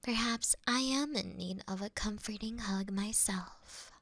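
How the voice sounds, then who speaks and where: A woman voicing a mischievous, doting fox woman in intimate roleplay ASMR, with a soft, breathy half-whisper and a coy, teasing delivery. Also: mid-range voice, measured pace, slight background noise.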